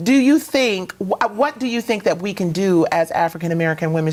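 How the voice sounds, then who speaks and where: With lively intonation and an animated tone, a woman at medium pitch speaks at a fairly quick pace against noticeable background noise. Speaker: talk show host. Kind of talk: talk show panel discussion.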